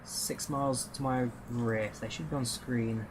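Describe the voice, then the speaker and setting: An English man chats loosely through a live stream, thinking out loud and answering viewers as he goes. His voice sits at an everyday middle pitch. A clear, steady hum like air conditioning runs under his voice. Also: normal speed. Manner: chatty, thinks aloud, answers chat viewers. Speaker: flight simulator streamer. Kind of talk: casual live-stream commentary.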